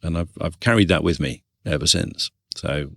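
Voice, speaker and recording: A middle-aged English man, a voice actor, chatting casually as a podcast guest, thoughtful and quick to laugh. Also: low voice, creaky, fairly bright tone, no room sound, studio quality. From England. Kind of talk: casual interview chat. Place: podcast studio.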